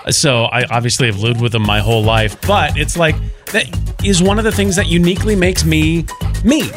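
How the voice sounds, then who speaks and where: A man in his thirties co-hosting a radio morning show, relaxed and joking in casual chat. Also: a little high, normal speed, music in the background. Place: radio studio.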